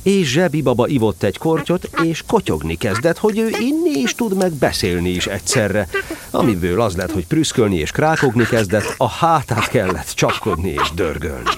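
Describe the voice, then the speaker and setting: A man's voice: lowish voice, wildly swooping pitch, noisy background. A man narrating a scripted children's story expressively, as the narrator of an audio drama.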